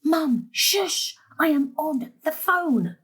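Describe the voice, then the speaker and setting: A harried middle-aged woman caring for her family in a stage drama. Her voice is high and swings widely in pitch. She is snappy, emphatic and exasperated. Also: very animated, slow, a bit bright, exaggerated voice. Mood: brisk, impatient. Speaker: stage actor. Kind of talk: dramatic dialogue in a play.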